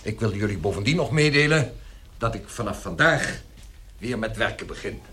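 An actor in a radio drama playing a stern middle-aged father, pompous and domineering, by turns halting and commanding. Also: lowish voice, lively intonation, bright, forceful tone, slight background noise. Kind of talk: Dutch radio drama acting.

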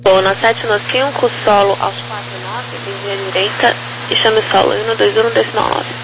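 A woman's voice: medium pitch, fairly even intonation, normal speed. A woman with a Brazilian accent working as an air traffic controller, giving clipped procedural instructions over crackly radio. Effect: crackly aviation radio. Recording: noisy crackly radio with hum.

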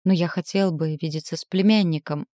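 A woman reading the lines of a quiet, guarded young man in a calm, restrained manner. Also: fairly low pitch, brisk, no room sound, clean studio sound, close to an everyday voice.

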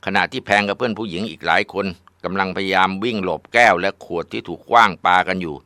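A man's voice: sits low, fast, pushed and bright, no echo. A man casually narrating a ghost story in a conversational way.

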